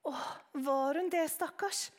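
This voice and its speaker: A woman's voice: sits high, pitched above the performer's own voice, close to an everyday voice. A woman voicing a fussy, flustered elderly aunt who tuts at a cheeky child. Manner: tut-tutting, fussy.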